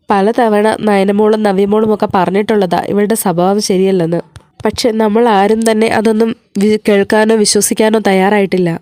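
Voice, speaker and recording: A woman's voice: mid-range voice, dark tone, dry recording, lightly acted. A woman voicing a stern, protective old grandmother who talks firmly and scolds. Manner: firm, scolding.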